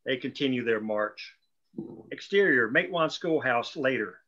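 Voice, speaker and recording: Bright-voiced man reading stage directions. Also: mid-range voice, animated, normal speed. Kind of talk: scripted narration at a table read. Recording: dull, lo-fi call audio.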